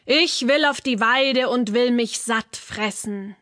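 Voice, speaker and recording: A woman voicing a huge, fearless billy goat with a coarse voice, slowly boasting rhyming threats. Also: on the high side, a bit bright, no echo, clean studio sound. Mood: defiant.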